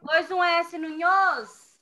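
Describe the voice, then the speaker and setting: A woman's voice: extremely high pitch, fairly even intonation, drawn-out words. A woman with a Brazilian Portuguese accent teaching young children in an online class, stretching out syllables and patiently prompting pupils over a video call. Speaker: primary school teacher. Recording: video call with background noise.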